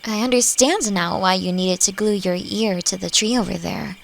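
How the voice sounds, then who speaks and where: A woman playing a friendly, playfully teasing elf who teaches magic, speaking gently and reflectively in a roleplay audio drama. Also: medium pitch, moderate pace, creaky, slight background noise, close to an everyday voice. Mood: thoughtful, gentle. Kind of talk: scripted roleplay audio drama addressed to the listener.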